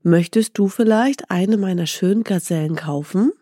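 A woman's voice: medium pitch, moderate pace, warm tone, dry recording, clean studio sound, close to an everyday voice. A woman voicing a brusque male street trader in a storybook, calling out his wares. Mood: hawking. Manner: hawking, calling out.

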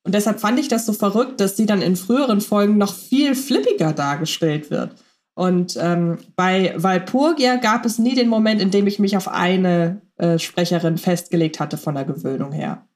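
A woman's voice: mid-range voice, lively intonation, normal speed, darkish tone. A woman co-hosting a podcast, chatting enthusiastically and thinking aloud with fillers. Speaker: podcast co-host. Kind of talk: casual podcast chat about radio plays.

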